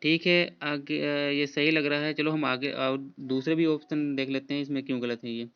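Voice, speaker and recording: The speaker is a man leading a casual spelling quiz walkthrough for exam prep, spelling each word letter by letter amid many fillers. His voice is fairly high and smooth, fairly even in intonation, at a moderate pace, and the recording is dull and lo-fi.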